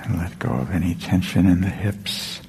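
A man with a low, gravelly voice guides a meditation, his words unhurried and spaced out with long silences. His tone is dark and soft. Faint noise sits behind him in the hall. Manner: slow, soft, with long pauses. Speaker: meditation teacher.

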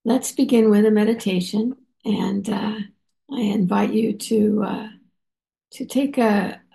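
A woman meditation teacher leading a guided meditation, unhurried and halting, with many soft pauses and fillers. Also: mid-range voice, creaky. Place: meditation center.

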